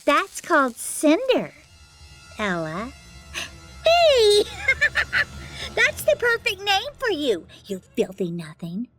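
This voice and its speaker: A woman voicing a cruel, sneering bully from Cinderella's stepfamily in an animated fairytale, taunting with drawn-out insults. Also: high-pitched, soft background music, heavily acted. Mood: gloating, mocking. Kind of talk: animated fairytale storybook acting.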